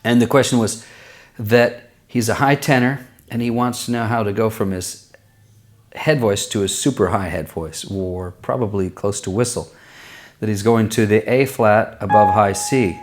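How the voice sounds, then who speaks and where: A man as a vocal coach hosting a weekly vocal tip, explaining singing technique in a clear instructional way with short demonstrations. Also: fairly low pitch, normal speed, slight background noise. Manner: explanatory, with sung and syllable demonstrations.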